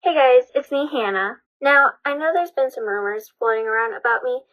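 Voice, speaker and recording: A woman voicing a dramatic, self-pitying teenage schoolgirl with a plaintive, theatrical manner in an animated roleplay. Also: high voice, a little fast, narrow, tinny audio, close to an everyday voice. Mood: pleading, wounded. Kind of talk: hobby animated roleplay voice acting.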